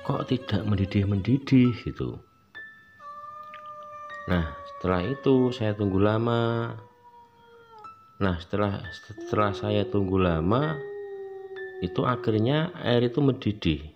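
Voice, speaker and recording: Deep-voiced guy telling a spooky story, chatty, slightly muffled lo-fi recording. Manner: chatty, acts out quoted voices with rising excitement. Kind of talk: casual first-person ghost story. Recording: slightly dull lo-fi sound, faint background noise.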